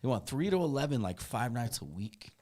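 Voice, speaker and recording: A man with a low voice, co-hosting a DJ podcast in a laid-back, casual chat, laughing often and calling people man and bro. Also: sing-song, brisk, darkish tone. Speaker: DJ and podcast co-host. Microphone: studio microphone with processing.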